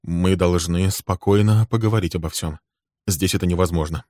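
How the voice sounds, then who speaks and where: A cornered swindler speaks low and tense, trying to talk his way out, as a male storybook reader puts him on. His deep voice sits dry and close to the mic. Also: normal speed, no echo, close to an everyday voice. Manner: tense, evasive, hushed. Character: nervous scheming swindler, grown man. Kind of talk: dramatic audiobook reading.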